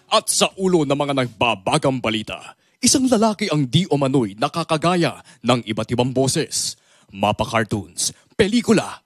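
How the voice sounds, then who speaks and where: A young man doing a dramatic, deep announcer voice to open a voice showcase. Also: slightly rough, dry recording, studio quality. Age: young adult. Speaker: voice artist. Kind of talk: voice impression showcase.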